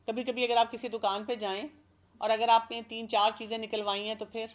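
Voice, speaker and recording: A woman speaking as an expert guest, explaining calmly and working through everyday examples. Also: on the high side. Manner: calm, explanatory, gives examples. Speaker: expert guest giving parenting advice. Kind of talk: advice talk.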